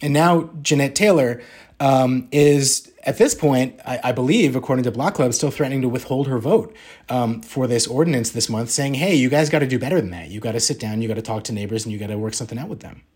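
Male podcast co-host, conversational and unhurried, mid pitch. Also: darkish tone, breathy edge. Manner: conversational, frequent ums and asides. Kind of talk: casual news discussion.

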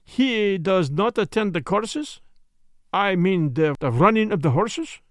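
A man's voice: sits high, animated, dry recording, clean studio sound, voice pushed up. A man voicing a polite, self-important Belgian detective with a French-speaking Belgian accent and mannered, precise phrasing, in a storybook reading. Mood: inquiring, courteous. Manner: mannered, deliberate, foreign phrasing.

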